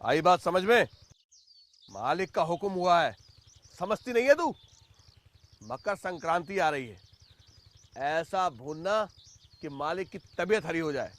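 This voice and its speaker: A man's voice: on the high side, animated, a little slow, long pauses, fairly bright tone. A man playing a landlord's rude, threatening henchman in a rural drama, barking orders and rustic insults. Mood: threatening, bossy. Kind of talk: Hindi rural period drama acting.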